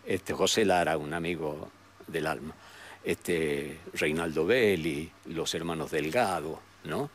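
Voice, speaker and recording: An older man with a northwestern Argentine accent, telling memories as an interview guest in a rambling, halting way with frequent tag questions. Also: a bass voice. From San Salvador de Jujuy, Argentina. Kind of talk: reminiscing in a conversational interview. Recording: noticeable background noise.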